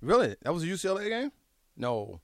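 A middle-aged man chatting casually about his football days as a former player, telling stories in an animated way and repeating himself. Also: fairly high pitch, fairly quick, gravelly, no echo, studio quality. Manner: animated storytelling, repeats phrases, says "dude" often. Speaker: former college football quarterback, show guest. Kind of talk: casual sports chat, reminiscing.

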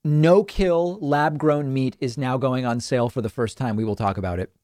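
A man hosting a political talk show, delivering brisk and sarcastic commentary in a mid-range voice. He is close to a studio microphone, and the sound is dry with almost no room echo. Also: medium pitch, a little mellow. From northern United States.

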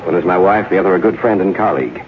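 Brisk, low-voiced trusting scientist. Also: male voice, animated. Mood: earnest, insistent. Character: trusting, optimistic male scientist and husband. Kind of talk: 1950s radio drama acting. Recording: tinny, noisy old radio recording.

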